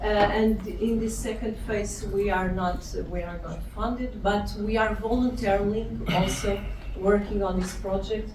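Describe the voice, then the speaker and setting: A Portuguese woman with an accent gives a slow, halting academic talk in English, her first language being Portuguese. She pauses often with fillers and restarts. She sounds far from the mic in a very echoey conference hall with clear background noise. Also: mid-range voice, fairly even intonation. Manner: hesitant, many fillers and restarts. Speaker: conference presenter.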